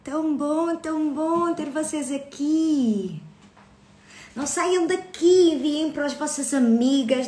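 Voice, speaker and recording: A Portuguese woman in her thirties chats on a live stream about her book club. She speaks unhurriedly in a slightly high voice, greeting viewers by name and laughing often. Her voice rings a little in an echoey room. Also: a little mellow. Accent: European Portuguese. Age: 30s. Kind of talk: casual live stream chat.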